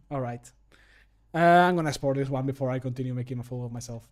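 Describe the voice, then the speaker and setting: A man's voice: mid-range voice, fast. A middle-aged man chatting casually on a live stream in a playful, joking, self-deprecating way. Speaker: streamer and Skyrim modder. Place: home room, indoors.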